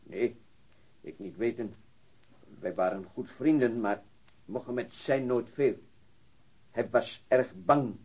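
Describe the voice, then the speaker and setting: An actor playing an immigrant truck driver who speaks halting, broken Dutch as a non-native, searching for words. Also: male voice, mid-range voice, darkish tone, husky. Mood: hesitant. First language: not Dutch. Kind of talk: radio drama acting. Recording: dull, band-limited radio recording.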